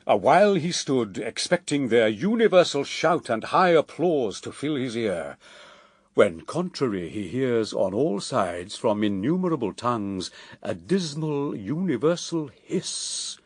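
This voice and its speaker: Solemn male verse narrator, dramatically varied pitch. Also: sing-song, husky, no room sound, studio quality. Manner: solemn, measured, theatrical phrasing with weighty pauses.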